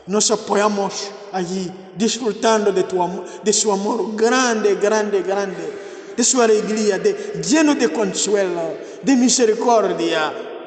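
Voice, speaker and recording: A man with a high voice preaches slowly and fervently in a large church. He repeats his words and pleads with his listeners. His voice rings through a long, echoing reverb. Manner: fervent, repetitive, imploring, with sudden raised exclamations. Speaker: priest. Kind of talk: sermon.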